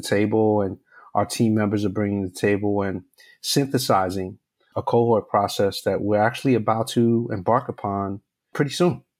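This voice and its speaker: Fairly low in pitch with fairly even intonation, a man with an American accent uses an ordinary speaking voice in a very clean recording with a silent background. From Brooklyn, New York. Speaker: creative producer. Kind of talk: interview.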